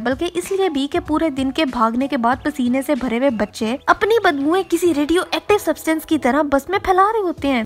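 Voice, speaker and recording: High-voiced sarcastic young woman storyteller. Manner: sarcastic, rapid storytelling with exaggerated asides. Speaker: YouTuber. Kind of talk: comedic storytelling monologue. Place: voice-over over gameplay footage.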